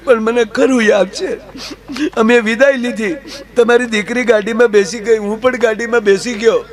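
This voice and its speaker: A man's voice: extremely high pitch, fairly even intonation, normal speed, pitched above the performer's own voice. A man voicing a young newly married son-in-law who speaks in a wry, cheeky way.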